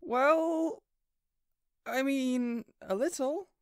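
A woman's voice: high voice, no echo, clean studio sound. A woman playing a hapless but stubborn, earnest underdog villain in an audio roleplay, speaking hesitantly. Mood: sheepish. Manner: hesitant, sighing, halting.

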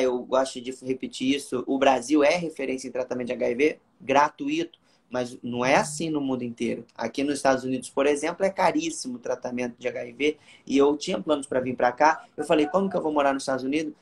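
A young man from Rio de Janeiro with a Carioca accent, giving an earnest personal testimony in an interview and acting out the dialogue as he tells it. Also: mid-range voice. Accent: Carioca Brazilian Portuguese. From Rio de Janeiro, Brazil. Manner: earnest storytelling, reenacting dialogue.

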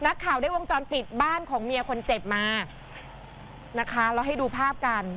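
A woman news presenter lively describing video footage, acting out what people in the clips said. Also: high voice, normal speed, a little hiss or hum. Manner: animated, acts out quotes while narrating footage.

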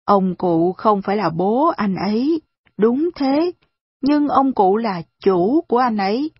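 A woman reading aloud voices a kind, gentle wealthy lady who speaks soothingly and reasons patiently, in a slightly husky voice on a dull recording. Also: medium pitch, expressive, takes it slowly, no room sound. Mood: gently persuasive.

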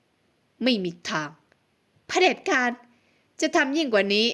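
A woman's voice: high voice, expressive, takes it slowly, a bit bright, heavily acted. A woman voicing a domineering, arrogant young male mafia boss in an audiobook, scolding and menacing. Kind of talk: audiobook character voice.

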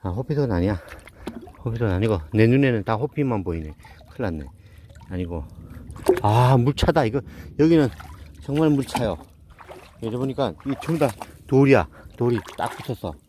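A man's voice: medium pitch, expressive, fairly quick, mellow, a little hiss or hum. A middle-aged man talking casually outdoors in a mountain stream, muttering and repeating words as he looks at rocks. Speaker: rock-hunting vlogger.

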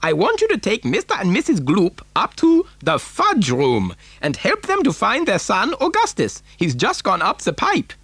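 An eccentric storybook chocolate maker, fussy, frantic and giggly. The voice sits very high and leaps wildly up and down in exclamations. The sound is close and dry. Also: male voice, huge pitch swings, normal speed, hardly any pauses, a bit bright, husky, no echo, heavily acted. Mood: brisk, fussy.

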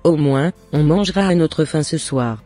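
A woman voicing a gentle, plaintive, devout shopkeeper mother in a Christian cartoon. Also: low-pitched, moderate pace, soft background music. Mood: grateful. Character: long-suffering, devout, hard-working shopkeeper mother. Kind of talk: French Christian cartoon dialogue.

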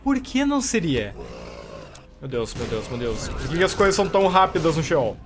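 A man with a Brazilian Portuguese accent commenting on his gameplay in a chatty way, reacting loudly and joking at enemies. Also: fairly high pitch, expressive, quick pace, over music. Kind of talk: let's play commentary.

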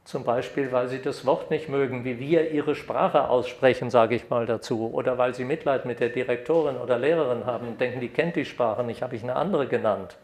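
An older man giving an academic lecture at a podium microphone, lively when reading examples aloud. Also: medium pitch, fairly quick, few pauses. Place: lecture hall. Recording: echoey hall.

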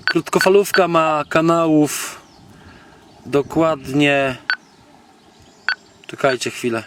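A man from Poland gives a casual, unscripted gadget demonstration as a video blogger, halting and thinking aloud in colloquial, slangy speech. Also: on the high side. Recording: noisy, distant microphone, background clicks.

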